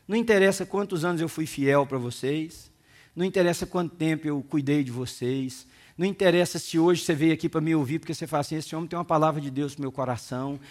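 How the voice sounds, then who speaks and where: A man with a Brazilian Portuguese accent, a pastor preaching a sermon with emphatic build-ups to shouts and asides to his congregation. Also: on the high side, fast.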